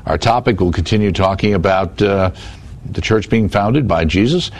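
Man, radio host, low voice, quick sign-off and plugs. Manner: brief affirmations, then a brisk sign-off. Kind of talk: radio talk show closing.

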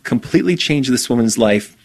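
A man's voice: medium pitch, animated, a little fast, a little mellow. Earnest man telling a faith testimony. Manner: earnest, preacherly. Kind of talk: casual conversation, testimony storytelling.

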